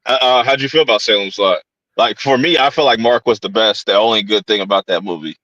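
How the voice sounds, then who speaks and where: A man hosts a horror podcast in easy, slangy talk, often repeating a phrase for effect. His voice sits on the low side. The recording sounds dull and dry, like a home setup with a muffled mic. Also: fast talker, pushed and bright, no room sound. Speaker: podcast host. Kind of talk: casual chat. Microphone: home streaming setup.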